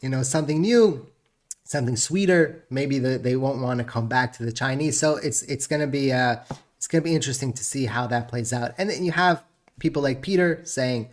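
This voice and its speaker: A man's voice: medium pitch, brisk. A man hosting a casual crypto news show, rambling and chuckling as he talks, his nose stuffed up. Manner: rambling, chuckling, self-interrupting. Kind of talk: casual market commentary.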